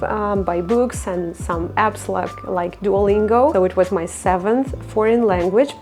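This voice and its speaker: A woman's voice: mid-range voice, darkish tone. Chatty Russian-accented woman in her thirties. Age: 30s. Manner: chatty, reflective, non-native phrasing with fillers. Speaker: vlogger. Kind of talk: casual personal vlog.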